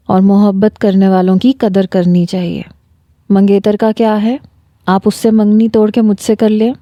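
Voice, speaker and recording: A woman's voice: medium pitch, mellow, no echo. A woman with a Pakistani Urdu accent reads a first-person romance story aloud, voicing a young man and his fiancée in the same voice. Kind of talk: scripted narration.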